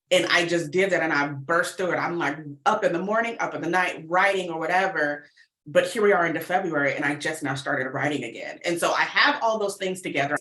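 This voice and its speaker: A woman's voice: low-pitched, fairly bright tone, echoey room. An American woman speaking candidly and expressively as a guest in a casual interview, chatting about her creative work. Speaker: guest, audio fiction writer and producer.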